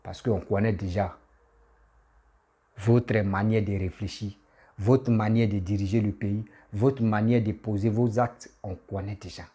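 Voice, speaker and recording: A man's voice: on the low side, fairly even intonation, measured pace, dark tone, slightly rough. A man who has a cold, giving a casual, insistent political rant that scolds his listeners. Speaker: political commentator.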